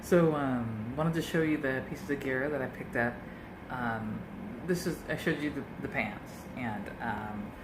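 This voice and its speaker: A woman's voice: very deep voice, measured pace, background noise. A woman chatting casually to her camera as a vlogger, laughing often and poking fun at herself. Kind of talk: casual vlog chat. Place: on a mountain trail outdoors, later at home.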